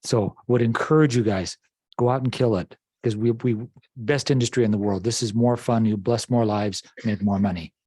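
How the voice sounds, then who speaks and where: A man's voice: on the low side, moderate pace, mellow, slightly rough, no room sound. Upbeat man rallying a sales team. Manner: upbeat, urging, talks to the room. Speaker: real estate office leader. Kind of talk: motivational team meeting talk.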